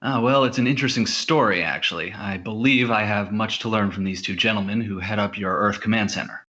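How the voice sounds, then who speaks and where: A man playing an earnest, pompous space hero stranded on Earth in an audio comedy drama, speaking gravely and formally. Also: on the low side, a little fast, bright, forceful tone, highs cut off. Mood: puzzled, earnest.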